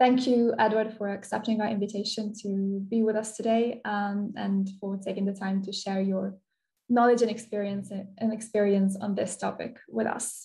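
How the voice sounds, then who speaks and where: A dark, mellow, somewhat breathy tone, monotone and flat, at a moderate pace. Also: woman, quiet background. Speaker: webinar moderator. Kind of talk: formal speaker introduction. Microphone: webcam.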